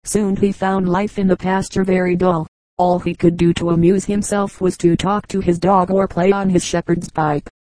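Low, mellow-voiced woman reading fables. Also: little pitch movement, moderate pace, few pauses, no room sound, poor audio. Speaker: audiobook reader. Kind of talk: scripted storybook narration.

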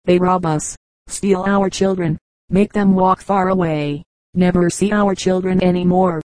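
A woman's voice: lowish voice, steady tone, unhurried, a little mellow, no room sound, lightly acted, low-quality recording. A woman reading aloud, voicing a distraught immigrant mother who pleads in broken speech. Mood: pleading.

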